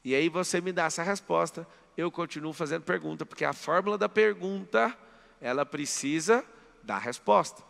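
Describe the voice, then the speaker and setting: A man with a Brazilian Portuguese accent leads a live motivational seminar, pressing his audience with emphatic commands. His voice sits high and is deeply gravelly, with a forceful, bright edge. Long reverb from the big hall trails each phrase. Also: moderate pace. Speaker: mentor.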